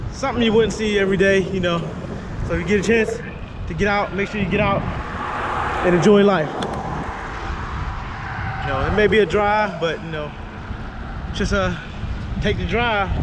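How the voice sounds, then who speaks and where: A man talks fairly quickly while noticeable background noise carries on behind him. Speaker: fishing vlogger. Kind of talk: casual vlog chat. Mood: relaxed, cheerful. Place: waterside. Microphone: phone near.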